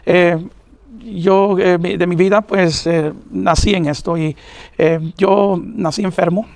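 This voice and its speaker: A man raised in New York by Puerto Rican parents, a Catholic preacher giving his personal testimony as an interview guest, earnest and halting with many fillers. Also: high-pitched, fairly even intonation, gravelly, a little mellow, no room sound.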